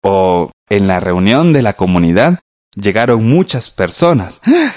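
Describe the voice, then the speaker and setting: A man with a low voice teaches on a radio program. His pitch rises and falls in wide swings as he explains, patient and direct with the listener. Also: expressive, unhurried, a little mellow. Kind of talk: scripted radio lesson.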